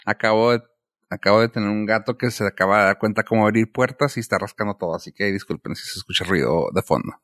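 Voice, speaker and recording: A man with a Mexican Spanish accent chatting casually from home, animated and full of slang. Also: on the low side, fast talker, no room sound, studio quality. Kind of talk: casual podcast chat. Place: home room.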